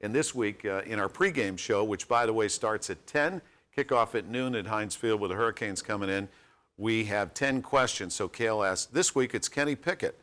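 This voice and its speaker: Bright-voiced sports radio host. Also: male voice, lowish voice, normal speed. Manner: friendly, folksy, joking asides. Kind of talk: sports radio show interview.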